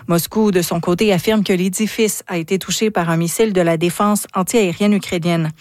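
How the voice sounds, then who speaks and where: A woman anchor reading a radio newscast in a steady, measured way. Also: on the low side, no room sound, clean studio sound. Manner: steady, measured news delivery. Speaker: news anchor.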